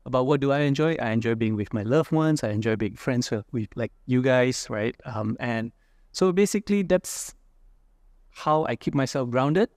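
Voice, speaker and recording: A man's voice: mid-range voice, expressive, moderate pace, a little mellow, no room sound, clean studio sound. A man from Indonesia, an entrepreneur being interviewed, talking reflectively with many fillers and "right?" tags. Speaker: entrepreneur guest. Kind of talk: casual interview talk.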